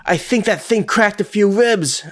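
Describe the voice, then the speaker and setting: A man voicing a tough young swordswoman who shouts and snarls. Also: high-pitched, measured pace, voice pushed up. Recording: music playing underneath.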